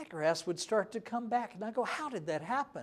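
Lively intonation marks a man's high-pitched voice, which carries an American accent. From Texas. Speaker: pastor. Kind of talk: sermon. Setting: online church service video.

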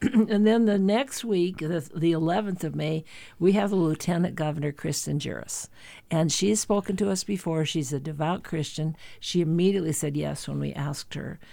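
On a very clean recording with a silent background, a woman with an ordinary speaking voice and fairly low pitch speaks at a moderate pace with ordinary pitch variation. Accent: American. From Montana, Helena. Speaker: community event organizer. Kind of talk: radio interview. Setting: studio.

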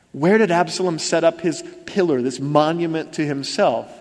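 A man talks at a moderate pace with ordinary pitch variation, and some room echo can be heard. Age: 40s. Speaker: professor and guest preacher. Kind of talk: sermon. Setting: church service.

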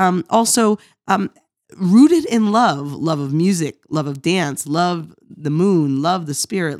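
A woman with an American accent and an ordinary speaking voice talks at a fairly slow pace in a fairly low pitch, with ordinary pitch variation. The sound is dry and close with no echo, on a very clean recording with a silent background. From US Northeast, Philadelphia area. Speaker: theology professor and pastor. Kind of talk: academic conversation.

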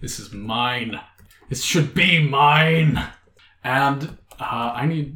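A man's put-on character voice, fairly high and very slow, broken by long, frequent pauses. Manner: gloating, possessive.

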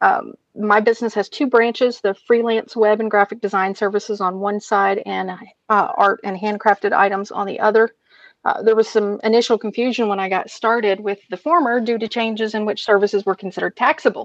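A woman's fairly high-pitched, plain, everyday voice at a fairly quick pace, dry and close with no echo. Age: 30s. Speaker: political candidate. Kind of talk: interview.

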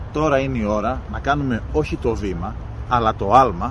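Over noticeable background noise and audible room echo, a man talks at a fairly slow pace in a fairly low voice with very wide pitch swings. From Thessaloniki, northern Greece. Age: 40s. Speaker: podcaster and plastic surgeon. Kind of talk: satirical political speech. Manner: formal.

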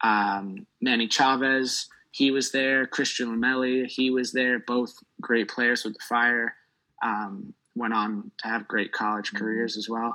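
A man speaks in a bright, sharp tone at a medium pitch. His pace is fairly slow and his intonation fairly even. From Wisconsin, Milwaukee. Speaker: professional soccer player. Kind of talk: casual interview. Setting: video call.

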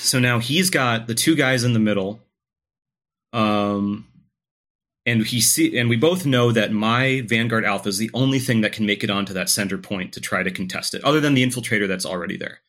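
In a very clean recording with a silent background, a man of medium pitch talks at a fairly quick pace in an animated tone with ordinary pitch variation. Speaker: tabletop wargame player and YouTuber. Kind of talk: casual chat. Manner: joking, animated.

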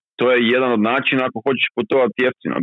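This is a man talking. His pace is very fast. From Croatia, Zagreb. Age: 30s. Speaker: quadriplegic traveller and blogger. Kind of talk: podcast interview.

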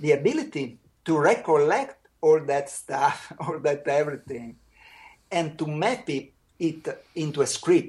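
A man with an Italian accent, very slow pace, fairly high pitch and ordinary pitch variation. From northern Italy. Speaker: graphic designer and tarot reader. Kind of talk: casual interview chat. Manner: halting, repeats words.

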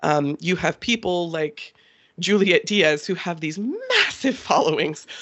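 A woman speaks in an American accent. Her pace is moderate and her pitch variation ordinary. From Northern California. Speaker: author. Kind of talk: interview.

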